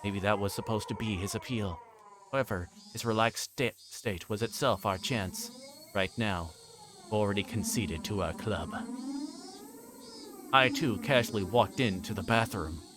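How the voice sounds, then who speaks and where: A man giving casual livestream commentary on a visual novel, switching between reading aloud and explaining in a halting, repetitive way. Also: lowish voice, background noise.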